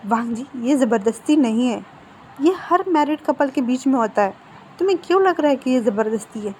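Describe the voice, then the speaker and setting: An insistent middle-aged mother talks her son round in a persuasive, scolding way, in a storybook retelling, as a woman reads her out. Her voice is high and mellow, with a faint hiss behind it. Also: lively intonation, normal speed.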